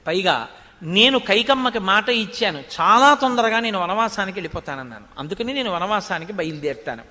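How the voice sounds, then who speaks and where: A young prince, dutiful and calm, firmly turning down his father's offer, as a preacher retells him. The voice is high and bright, with long reverb from the hall. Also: brisk.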